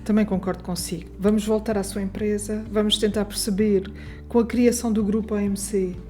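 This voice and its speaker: A woman's voice: medium pitch, little pitch movement, fairly quick, dark tone, soft background music. A woman, hosting a radio interview and guiding the guest with short prompts. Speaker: radio host. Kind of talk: interview questions. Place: radio studio.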